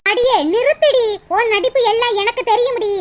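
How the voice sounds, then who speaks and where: Divya, a shrill scolding daughter-in-law voiced by a woman. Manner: scolding, sarcastic, fast. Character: sharp-tongued, scolding young daughter-in-law. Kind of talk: cartoon family drama voicing.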